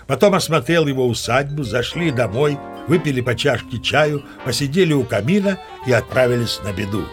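A man's voice: mid-range voice, animated, brisk, lightly acted. Man as an old sea captain storyteller, faint music. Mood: chatty, wry. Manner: chatty raconteur, mock-dignified. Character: seasoned old male sea captain spinning tall tales. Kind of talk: dramatized storytelling narration.

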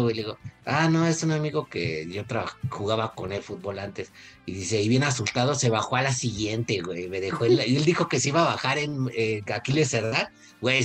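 A man with a Mexico City accent telling a story in casual chat, peppering his talk with slang. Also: mid-range voice. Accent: Mexico City Spanish. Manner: slangy, says güey constantly. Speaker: radio show co-host. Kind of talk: casual storytelling among friends.

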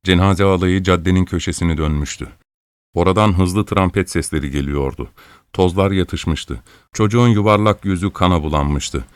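A man reading a story aloud at a steady, measured pace. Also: deep voice, smooth, no echo. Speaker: narrator. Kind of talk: audiobook narration of a story.

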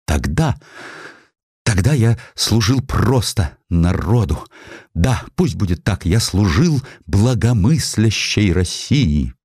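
Man playing a deep-voiced, earnest idealist on trial. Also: very animated, slow, a little mellow, breathy edge, no room sound, clean studio sound, exaggerated voice. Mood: quietly defiant. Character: idealistic male clerk defendant, earnest and quietly defiant.

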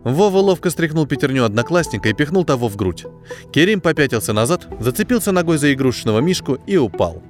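A man narrating a science fiction story in an audiobook, with expressive, scripted delivery. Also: medium pitch, fast. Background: background music.

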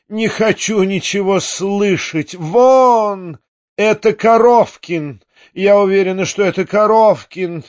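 A man voicing a domineering, hysterical old woman who screeches and shouts orders. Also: high-pitched, lo-fi sound, voice pushed up.

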